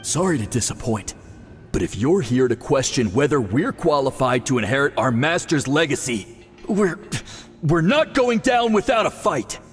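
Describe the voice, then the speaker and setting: A man's voice: medium pitch, very animated, moderate pace, big-room sound, faint music behind, lightly acted. A man voicing a proud but nervous, earnest tribal priest who stammers in an anime-style video game. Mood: defiant.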